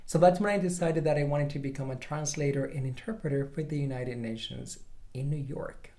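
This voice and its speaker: A young man from Chile with a Chilean Spanish accent, a pronunciation coach telling his own story in a relaxed way, with small restarts. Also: medium pitch, fairly quick. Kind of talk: casual personal story to camera.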